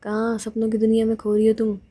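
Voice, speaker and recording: A woman's voice: a little high, monotone, fast talker, dark tone, slightly rough. A woman voicing a playful young woman in love who teases her girlfriend in a told love story. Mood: teasing. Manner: teasing, joking.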